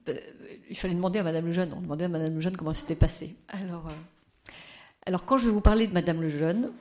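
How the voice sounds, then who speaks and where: A woman's voice: fairly low pitch, darkish tone. A woman giving an anecdotal conference talk as postulator of a sainthood cause, chatty and full of fillers.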